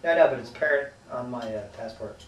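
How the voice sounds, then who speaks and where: Speaking fast at a medium pitch, this interviewee, an American man from the United States, rambles hesitantly through a casual talk about his life, letting sentences trail off and dropping casual swears. The audio sounds roomy and echoey, with the mic far away and a little faint noise.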